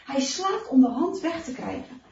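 A woman reading a story aloud, animated and dropping to a whisper in tense passages. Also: sits high, moderate pace, gravelly. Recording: distant, roomy, dull recording with faint hiss.

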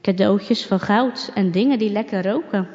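A woman calmly reading a storybook aloud, unhurried, with small slips. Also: mid-range voice. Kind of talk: storybook narration read aloud. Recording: dull recording with long reverb.

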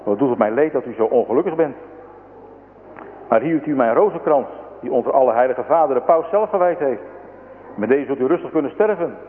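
A man voicing a gentle nurse consoling a dying patient in a religious story, in near his own voice. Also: medium pitch, expressive, a little fast, pauses often, phone-quality sound, a little hiss or hum, close to an everyday voice. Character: kindly Catholic nurse, gentle woman. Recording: thin echoing radio broadcast.

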